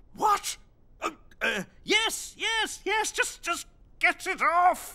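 At a very slow pace, a cartoonish character voice speaks at an extremely high pitch. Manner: shrieking, panicked, irritable.

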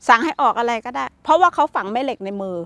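A woman's bright, sharp, animated voice with very wide pitch swings, dry with no echo, over a quiet background. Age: old. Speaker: vlogger. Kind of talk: casual monologue commentary. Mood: angry, scolding. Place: garden. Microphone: lapel.

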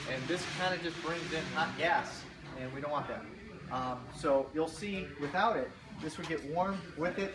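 There is noticeable background noise as a man speaks at a moderate pace. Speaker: equipment demonstrator. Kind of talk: tutorial. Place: garage. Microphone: camera far.

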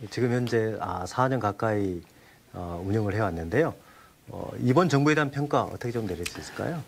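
Delivered at a moderate pace with lively intonation, the speech has light background noise behind it. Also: man, medium pitch for a man. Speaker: TV interviewer. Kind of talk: broadcast interview. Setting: studio. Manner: formal. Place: studio. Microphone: lapel.

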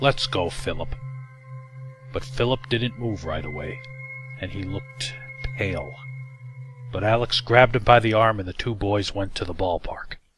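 Music plays behind a man speaking at a medium pitch. He leaves long, frequent pauses. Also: ordinary pitch variation, moderate pace. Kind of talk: horror story narration.

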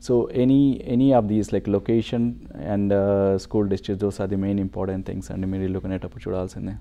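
The pitch moves in an ordinary way. It is an unremarkable speaking voice. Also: man, fairly low pitch for a man. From Telangana, India (Kothagudem); Telangana. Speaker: real estate agent. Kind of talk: interview. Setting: studio. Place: studio. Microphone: lapel.

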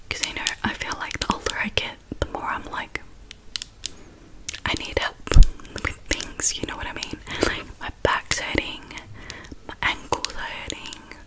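Whispering, a woman speaks with long, frequent pauses. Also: moderate pace. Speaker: ASMR creator. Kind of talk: ASMR whisper tapping video. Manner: whispered, soft-spoken. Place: home room. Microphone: phone near.

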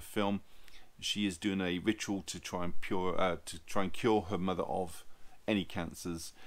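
This man has a fairly low pitch and a moderate pace, in an ordinary speaking voice. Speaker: film reviewer. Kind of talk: review commentary. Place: home room. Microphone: phone near.

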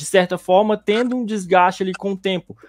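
A man speaks at a high pitch with ordinary pitch variation and a moderate pace. The sound is dry with no echo, over a quiet background. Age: 30s. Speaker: football gear youtuber. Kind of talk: casual product chat. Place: home room. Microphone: video call.

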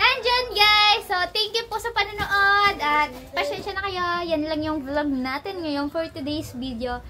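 A woman projects her voice in a bright, sharp tone at an extremely high pitch, with very wide pitch swings. Noticeable background noise sits behind her. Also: fairly slow pace. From Philippines. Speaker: vlogger. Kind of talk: unboxing vlog. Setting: at home. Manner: casual, frequent laughter. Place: home room. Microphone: phone near.

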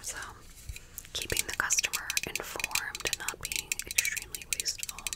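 She speaks in a whisper. The delivery moves at a moderate speed. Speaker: ASMR content creator. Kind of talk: ASMR product haul, casual talk to camera. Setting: studio, close to microphone. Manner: whispered. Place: home room. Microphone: studio mic.

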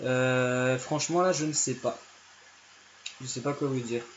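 A man speaks at medium pitch and a moderate pace. Noticeable background noise is present. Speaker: gaming YouTuber. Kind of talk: live play-by-play commentary of his own FIFA match, reacting to goals. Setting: screen-recorded gameplay, talking to viewers.

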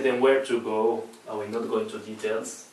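A man speaks at a moderate pace with a fairly high pitch. There is audible room echo. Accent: non-native. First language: not English. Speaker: physiology tutor. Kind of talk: lecture. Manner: informal, explanatory. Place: home room. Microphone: camera far.

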